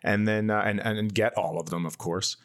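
A man's voice: on the low side, fairly even intonation, a little fast, a bit bright. A man hosting a comedy podcast, bantering casually in a playful, joking and crude way. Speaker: podcast host.

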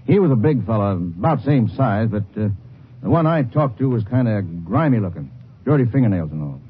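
A man's voice: lowish voice, very animated, a little fast. An American man playing a folksy, plain-spoken, indignant theft victim in a 1950s radio western. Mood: deliberate, recalling. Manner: folksy, colloquial. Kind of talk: 1950s old-time radio western acting. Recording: muffled, hissy 1950s radio recording.

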